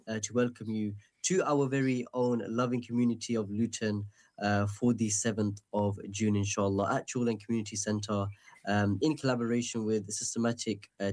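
A man hosting a radio interview, courteous and formal, with frequent filler pauses. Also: lowish voice, darkish tone.

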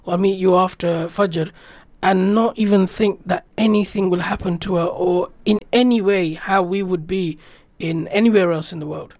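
A man's voice: high voice, fairly even intonation, moderate pace, few pauses, darkish tone, no room sound. A man in a radio interview who talks in an earnest, reflective, rambling way about a trip. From Britain. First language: English. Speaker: radio guest. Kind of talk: personal travel recollection in a radio interview.

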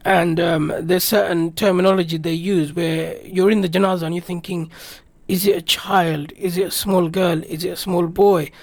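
A British man, a native English speaker, appears as a radio guest and rambles earnestly and reflectively about a trip he took. His voice is high and creaky with little pitch movement, and he talks at a normal speed with hardly any pauses. The recording has no echo.

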